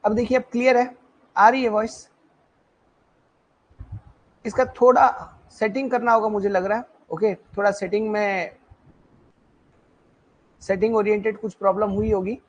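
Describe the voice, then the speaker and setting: Over a muffled recording, a high-pitched man leads a live online exam-prep class using his own microphone. His intonation stays fairly even, his speed is normal, and he leaves long pauses while repeating points and checking in with listeners.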